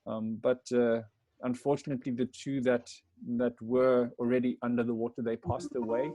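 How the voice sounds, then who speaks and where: A man's voice: mid-range voice, level tone, moderate pace, mellow, a little hiss or hum. A man, a pastor, recounting a personal experience to a group in a reflective, hesitant way with many fillers. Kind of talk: personal story in a group call.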